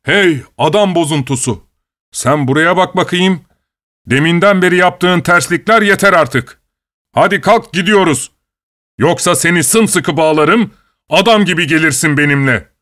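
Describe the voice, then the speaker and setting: A man's voice: a little high, moderate pace, no echo, natural voice. A man playing a blustering, irritable village watchman in a storybook reading. He barks and threatens in a raised, bossy voice, and the recording is dry. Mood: furious. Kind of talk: audiobook character reading.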